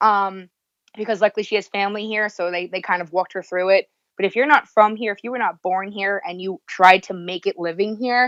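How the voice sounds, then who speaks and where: A woman speaks in a fairly high voice with a New York accent. The sound is dry and close with no echo, over a quiet background. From New York City and Long Island. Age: 30s. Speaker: podcast guest. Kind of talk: casual chat. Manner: fast.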